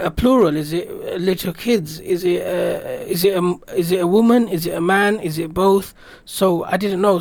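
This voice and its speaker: A man's voice: sits high, gravelly, dry recording. A man in a radio interview who talks in an earnest, reflective, rambling way about a trip. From Britain. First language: English. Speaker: radio guest. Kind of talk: personal travel recollection in a radio interview.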